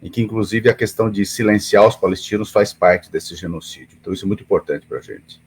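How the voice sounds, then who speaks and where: A man's voice: fairly low pitch, quick pace, breathy edge. A middle-aged man, explaining things as an interview guest in formal, wordy phrasing. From Paraná, southern Brazil. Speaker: interview guest, association president.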